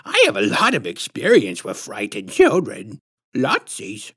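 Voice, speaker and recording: A man voicing a huge, creepy, patronizing woman in a storybook, with a squishy-throated lisp and syrupy, drawn-out baby talk. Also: lowish voice, wildly swooping pitch, a bit bright, husky, full character voice. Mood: patronizing, ominous.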